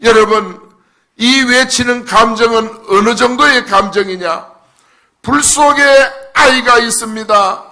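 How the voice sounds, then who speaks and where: Fervent high-voiced male preacher. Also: unhurried. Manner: fervent, swings between loud shouts and low asides. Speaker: pastor. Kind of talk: sermon. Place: church sanctuary.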